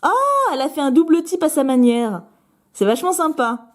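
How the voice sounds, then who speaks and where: A young woman chatting excitedly as she opens fan mail at home, with many fillers. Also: sits high, brisk. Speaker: vlogger opening fan mail. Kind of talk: casual unboxing chat.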